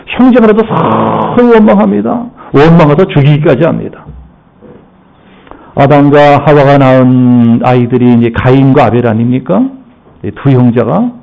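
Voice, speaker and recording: A man pastor giving a lively sermon in a church, asking the congregation rhetorical questions. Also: fairly high pitch, gravelly, highs cut off.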